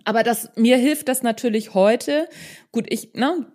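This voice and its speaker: A woman's voice: a little high, a little slow, darkish tone. A middle-aged woman hosting a conversational interview, speaking in an easy chatty way and often tagging little questions onto her sentences. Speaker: podcast host and non-fiction author. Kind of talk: casual conversational chat.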